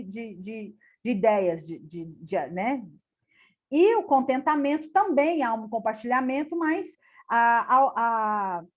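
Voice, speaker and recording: Halting woman lecturer, higher voice. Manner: halting, with many repeated words and restarts. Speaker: conference lecturer. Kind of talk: academic lecture over a video call.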